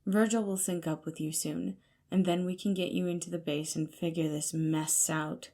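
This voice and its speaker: Woman as a calm guide with lowish creaky voice. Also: moderate pace. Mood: calm, practical.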